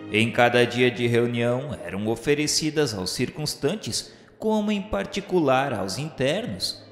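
Male narrator, Brazilian accent, solemn and literary, mid-pitched, long roomy reverb over music. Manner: solemn, formal literary delivery. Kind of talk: scripted audio drama narration of a spiritist novel.

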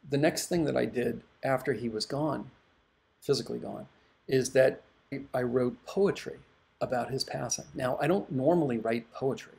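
A middle-aged man, a hypnotherapist, giving calm, reflective advice to viewers. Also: medium pitch, gravelly.

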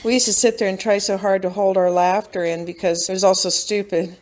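A woman's voice: mid-range voice, steady tone, fairly quick, a little mellow, natural voice. A woman playing an easygoing middle-aged mother in a radio drama, speaking casually with dry, teasing humor.

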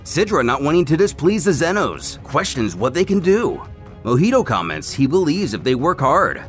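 Male narrator for a comic recap, animated mid-pitched delivery, scripted, light music underneath. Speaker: narrator recapping a fan manga. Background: background music.

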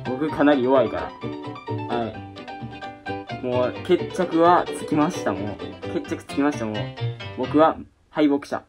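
A man's voice: mid-range voice, animated, takes it slowly, long pauses, music in the background. A young man with a Kansai accent hosting a casual question-and-answer vlog, rambling with many fillers and restarts. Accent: Kansai Japanese. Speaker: YouTube channel host.

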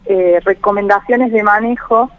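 A woman's voice: medium pitch, steady tone, a little slow, phone-quality sound. A woman agronomist, answering radio interview questions over the phone with many fillers and restarts. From Argentina. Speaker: agronomist guest.

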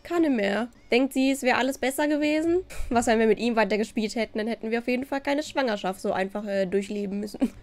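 A woman talks through her game in a loose, chatty commentary, sounding exasperated and mixing in English words. Her voice sits a little higher than most, recorded close on a desk microphone. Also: quick pace, hardly any pauses, darkish tone. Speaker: gaming YouTuber. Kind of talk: casual let's-play commentary.

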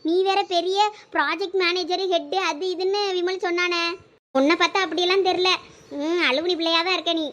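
A chatty, fretful young village wife, played by a woman in a family comedy skit. Her voice sits very high and the words tumble out fast and animated. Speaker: skit actor playing a young wife and her sister-in-law.

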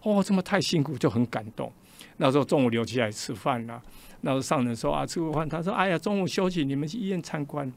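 An older man with a Taiwanese Mandarin accent tells his story as a radio guest. He speaks quickly in a rather high, gravelly voice and acts out every quoted exchange with lively shifts of tone. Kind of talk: personal storytelling in a radio interview.

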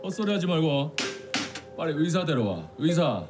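An actor playing a desperate, furious escaped convict who shouts frantic threats and demands as a hostage taker in a screen drama. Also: male voice, on the high side, big pitch swings, normal speed. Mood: menacing demands. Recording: dramatic music behind the voice.

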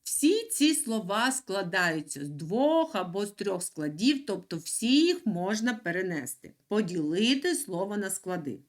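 A middle-aged woman teaches a class of young children. Her voice swoops up and down in a lively, sing-song way, stretching out each key syllable as she explains. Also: medium pitch, measured pace, hardly any pauses. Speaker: primary school teacher. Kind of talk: recorded lesson for children.

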